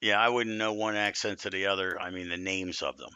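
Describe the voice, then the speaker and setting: A man's voice: deep voice, fairly even intonation, fairly quick, bright, forceful tone, clear, resonant tone. A man chatting casually as a player on a gaming stream. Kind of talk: casual chat.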